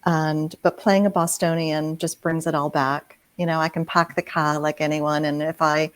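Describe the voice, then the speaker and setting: Very low-voiced, expressive woman. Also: moderate pace. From New England, United States. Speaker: community theater actor, interview guest. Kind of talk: casual interview chat.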